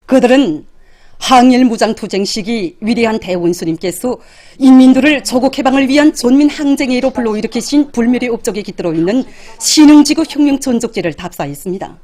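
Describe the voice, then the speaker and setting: A woman's voice: on the high side, brisk, warm tone. A woman with a North Korean accent reading scripted television news in a formal, solemn, reverent and emphatic declamatory manner.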